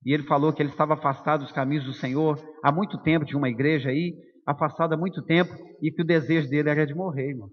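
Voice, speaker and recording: A man with a Brazilian Portuguese accent preaching a sermon, telling a personal story in an animated way and speaking straight to the congregation. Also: on the high side, rapid-fire. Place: church hall. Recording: echoey hall, dull lo-fi sound.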